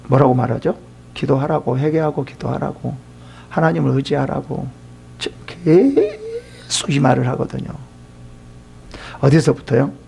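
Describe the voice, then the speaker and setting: Male pastor mid-sermon, lively pitch, gravelly, quizzes the congregation. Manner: asks the congregation questions, drops to whispered asides. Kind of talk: sermon at a prophecy seminar.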